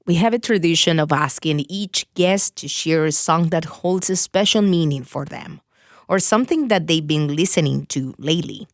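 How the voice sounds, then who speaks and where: Low-voiced woman podcast interviewer. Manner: hesitant, searching for words. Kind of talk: conversational interview.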